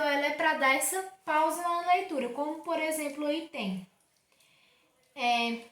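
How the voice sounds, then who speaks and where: High-voiced Brazilian teacher in an echoey room. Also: female voice. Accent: Brazilian Portuguese. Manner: warm teacher talk, checks in with "certo?" often. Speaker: primary school teacher. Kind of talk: remote lesson to children. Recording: roomy echo, distant from mic.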